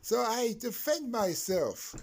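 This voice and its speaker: A man's voice: very high voice, big pitch swings, takes it slowly, vocal fry, pitched above the performer's own voice, heavily acted. A man voicing a blunt Yugoslavian builder who speaks clipped, broken English. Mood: insistent.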